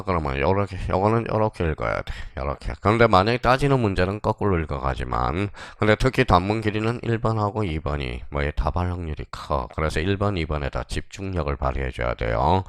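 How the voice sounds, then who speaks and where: A male lecturer prepping a class for exams, his low, gravelly voice still rising and falling a lot as he drills them. He moves fairly quickly and expressively, firing short questions and answering them himself with hardly any pauses. The sound is dry and close, with no room sound.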